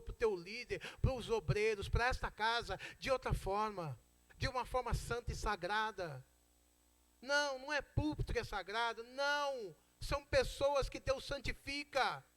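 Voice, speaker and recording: A pastor with a notably high voice delivers a sermon to his church. He swings from loud, insistent lines to sudden hushed asides colours every phrase.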